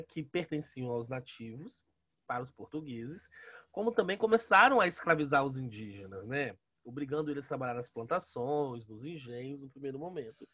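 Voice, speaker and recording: Brazilian man, thirties, online teacher. Slightly high, raspy voice from an inflamed throat, colloquial delivery into a headset. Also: sharp tone. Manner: colloquial, often adding "né" and "tá" tags. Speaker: history teacher. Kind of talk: casual online lesson, explaining. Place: small room at home, indoors. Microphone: headset on a video call.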